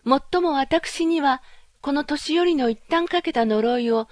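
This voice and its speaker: Loud kind young fairy girl, a lady reading a storybook puts her on, high formal soothing voice, dry sound. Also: a little slow, no echo. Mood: reassuring. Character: kind young female fairy, bold and reassuring.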